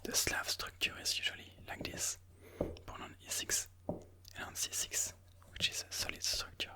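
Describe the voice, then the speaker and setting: An ASMR host giving chess commentary in a breathy, unvoiced whisper, explaining moves slowly and deliberately. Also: pushed and bright.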